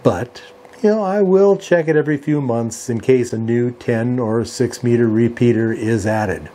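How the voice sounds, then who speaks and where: A man in his sixties giving a measured, step-by-step software tutorial as the host of a hobby channel. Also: mid-range voice. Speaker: host of a ham radio channel. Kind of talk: software tutorial and review talk to camera. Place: small indoor home radio workshop.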